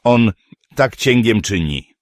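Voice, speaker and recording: A simple rustic man explains things in a plain, earnest way, voiced by a male narrator. The tone is low and lively, and the recording is dry. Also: slow pace, no room sound.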